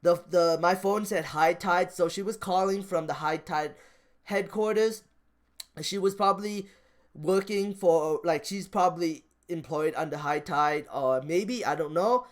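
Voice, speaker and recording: High-pitched, clear-voiced man rambling casually. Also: measured pace. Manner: rambling, repeats phrases, trails off and restarts. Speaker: stock market vlogger. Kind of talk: casual off-the-cuff vlog commentary.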